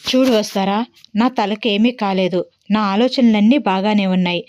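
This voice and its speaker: A woman's voice: medium pitch, normal speed, darkish tone, dull audio, natural voice. Woman reading a snappish bed-bound young man. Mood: annoyed. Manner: snappish, short-tempered. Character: irritable injured young man in hospital.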